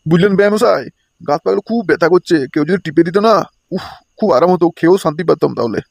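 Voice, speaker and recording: A man's voice: a little high, fast talker, gravelly, a little mellow, slightly rough, no echo. A man voicing a gluttonous, self-satisfied old grandfather in a comedy cartoon. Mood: aching, pleading.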